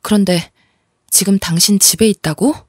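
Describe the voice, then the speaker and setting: A woman plays a young husband and father, tense and pressing, speaking in an everyday mid-pitched voice. The sound is close and dry, like a storybook reading. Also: fairly even intonation, moderate pace, husky, no room sound, lightly acted. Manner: presses questions, shaken then tender.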